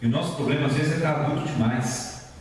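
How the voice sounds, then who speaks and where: Brazilian pastor preaching, high voice, sounds far off in a big echoey church. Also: male voice, fast talker, slight background noise. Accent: Brazilian Portuguese. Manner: lively, joking with the congregation, acts out quotes. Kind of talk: sermon. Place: church hall, indoors.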